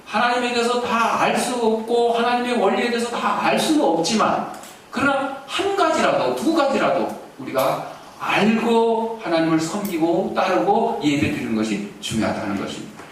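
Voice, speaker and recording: Animated preacher in an echoing church. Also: male voice, sits high, moderate pace. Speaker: pastor. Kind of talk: sermon. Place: church sanctuary. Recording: echoey church, distant mic, faint hiss.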